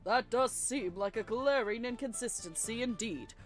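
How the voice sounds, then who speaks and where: A woman's voice: on the high side, normal speed. Woman reading game lines over music. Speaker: let's play host. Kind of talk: reading game dialogue aloud and casual chat. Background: video game music.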